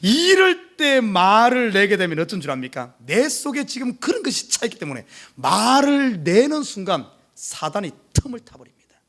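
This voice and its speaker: A male pastor preaching to his congregation, emphatic, with many rhetorical questions, swinging from urgent pleas to hushed asides. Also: sits high, sing-song, normal speed. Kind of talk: sermon. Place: church service.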